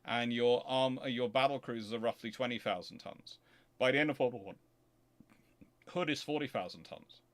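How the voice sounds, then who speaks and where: A man's voice: medium pitch, moderate pace. Man, emphatic explainer. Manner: emphatic, digressive, self-correcting. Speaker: host answering audience questions. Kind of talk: off-the-cuff explanatory talk.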